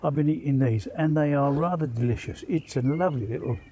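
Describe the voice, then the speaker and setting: A man's voice: fairly high pitch, a little fast, dark tone, a little hiss or hum. A man chatting to camera outdoors with dry, self-deprecating humour. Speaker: angler vlogger. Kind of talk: casual chat to camera.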